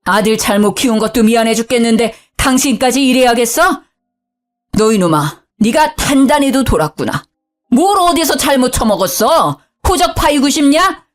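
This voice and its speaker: A woman voicing an elderly father-in-law who scolds loudly and pleads softly, in a storybook reading. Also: animated, normal speed, soft background music, close to an everyday voice. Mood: furious. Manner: booming scolding, then low humble pleading.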